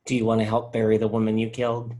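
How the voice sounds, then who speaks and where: A man playing a well-meaning, nerdy video store owner in an animated comedy, earnest and a little wry. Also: lowish voice, quick pace, natural voice. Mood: encouraging. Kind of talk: animated comedy table read.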